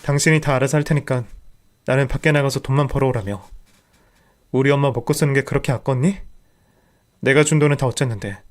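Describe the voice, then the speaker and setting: A man's voice: medium pitch, steady tone, fast, pauses often, natural voice. A man voicing a betrayed younger husband who confronts his wife with question after question. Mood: angry.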